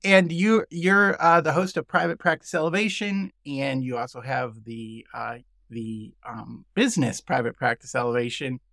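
A man hosting a podcast panel, speaking haltingly with frequent restarts. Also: medium pitch, creaky, pushed and bright, dry recording, studio quality. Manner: halting, many fillers and restarts. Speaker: podcast host.

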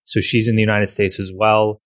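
A man's voice: lowish voice, flat delivery, fairly quick, fairly bright tone, no room sound, clean studio sound. A man hosting a podcast in casual conversation, rambling with frequent restarts and repeated words. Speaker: podcast host.

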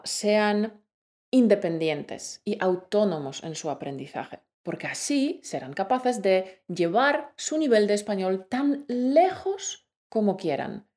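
Clear-spoken woman teaching podcast lesson. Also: medium pitch, warm tone. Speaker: co-host of a Spanish-learning podcast.

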